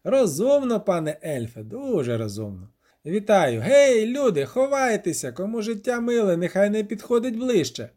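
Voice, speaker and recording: A man's voice: high voice, big pitch swings, measured pace, dark tone, pitched above the performer's own voice. A man voicing a grim male priest who gives urgent warnings in a fantasy audiobook. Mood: commanding. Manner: urgent, commanding.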